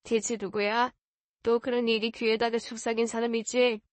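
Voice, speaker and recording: Storybook fiancé, a gentle quiet young man, voiced by a woman, plain and earnest, a little higher than most, close and dry. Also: little pitch movement, normal speed, no echo, close to an everyday voice. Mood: teasing.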